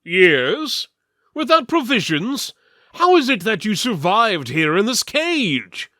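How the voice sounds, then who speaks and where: A man's voice: high-pitched, very animated, slow pace, sharp tone, no room sound, studio quality, voice pushed up, heavily acted. A man voicing a dim, incredulous slug sellsword in a fantasy story. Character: thick-headed mercenary slug, incredulous sellsword. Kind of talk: fantasy audiobook dramatic reading.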